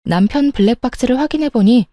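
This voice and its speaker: A woman's voice: on the high side, quick pace, mellow, dry recording, clean studio sound. A woman narrating a dramatic first-person story in a confessional storytelling manner.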